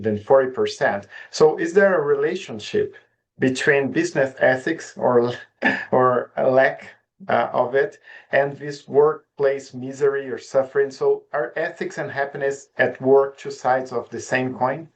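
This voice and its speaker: A man's voice: mid-range voice, fairly even intonation, measured pace. A man hosting an interview, asking long, searching questions with many hesitations. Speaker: host interviewer.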